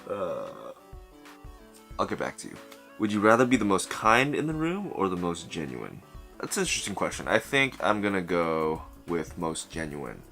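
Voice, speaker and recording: A man in his twenties answering viewer questions in a casual vlog, talking thoughtfully and correcting himself as he goes, seated close to the camera in a small bedroom. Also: sits low. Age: 20s. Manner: thoughtful, self-correcting, expressive hand gestures. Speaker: vlogger. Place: small bedroom at night, indoors. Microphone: camera mic, seated close to camera.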